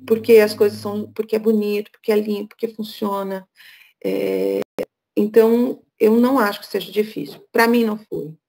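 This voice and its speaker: A woman's voice: medium pitch, moderate pace, gravelly, dark tone. A middle-aged woman from Brazil, speaking as a guest speaker over a video call, frank and chatty. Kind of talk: casual talk on a video call.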